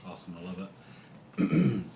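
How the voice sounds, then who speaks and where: Deep-voiced man in an echoey room. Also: very animated, normal speed, vocal fry. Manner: trailing off quietly, many fillers. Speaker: podcast co-host. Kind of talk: casual podcast talk. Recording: echoey room with faint noise.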